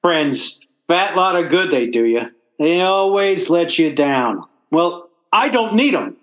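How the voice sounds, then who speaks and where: A man's voice: fairly high pitch, big pitch swings, slow, a bit bright, echoey room, exaggerated voice. An actor playing a blustering, self-pitying working-class father in old-time radio comedy style, with stammering, folksy, ungrammatical speech. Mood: bitter.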